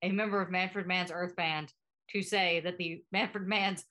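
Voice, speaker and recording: Bright, excitable woman co-host. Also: fairly low pitch. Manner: excitable, jokey, quick interjections. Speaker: podcast co-host. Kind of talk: casual chat.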